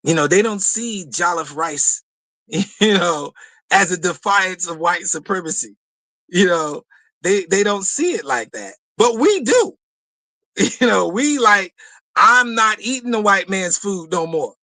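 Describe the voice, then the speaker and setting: Brief: radio guest, fervent storyteller, tense bright tone, close dry mic. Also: male voice, high voice, lively intonation, a little slow, no echo, rough recording. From United States. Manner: passionate storytelling, repeats words, laughs often. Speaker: guest speaker. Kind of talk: animated radio talk show discussion.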